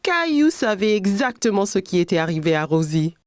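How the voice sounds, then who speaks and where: A woman narrating a scripted children's story with simple, clear storytelling phrasing. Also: medium pitch, sing-song, moderate pace, music in the background.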